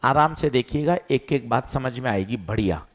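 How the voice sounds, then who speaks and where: Male physics teacher, energetic lecture delivery, asks then answers. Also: mid-range voice, normal speed. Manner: lively, quizzing students and answering himself. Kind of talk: classroom lecture.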